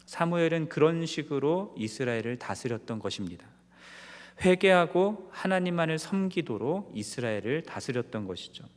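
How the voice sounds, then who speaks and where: A man preaches to his congregation at an ordinary middle pitch, speaking in measured phrases. He poses rhetorical questions and often hesitates on small filler sounds. His voice rings with the long reverb of a church sanctuary. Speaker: pastor. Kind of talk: sermon.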